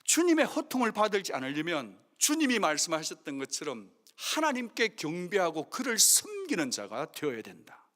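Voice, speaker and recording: A man preaching a sermon as pastor, dramatic, swinging between forceful rebukes and hushed asides. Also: sits high, huge pitch swings, moderate pace. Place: church sanctuary. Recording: long reverb of a church hall.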